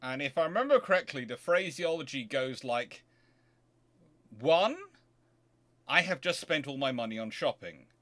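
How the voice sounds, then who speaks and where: Bright-voiced man, rambling and wry. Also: mid-range voice, lively intonation. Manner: halting, digressive, self-interrupting. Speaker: livestream host answering chat. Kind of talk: casual rambling livestream chat.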